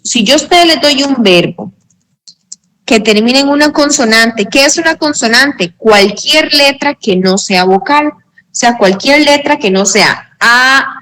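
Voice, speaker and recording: Slow, patient woman teaching. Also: on the high side, a bit bright, poor audio. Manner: slow, patient explaining with frequent check-ins. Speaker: English teacher. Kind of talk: online tutoring lesson.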